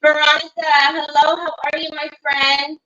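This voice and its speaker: A woman's voice: sits high, level tone, normal speed, pushed and bright, lo-fi sound. A woman hosting a casual craft livestream, chatting along and greeting viewers by name as she works. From Northern California. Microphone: computer mic on a livestream.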